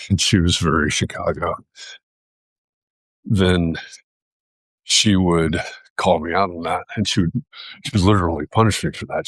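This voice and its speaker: A man's voice: low voice, fairly bright tone, no room sound. An American man hosting a live video, talking in a reflective, casual way and searching for his words as he goes. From United States.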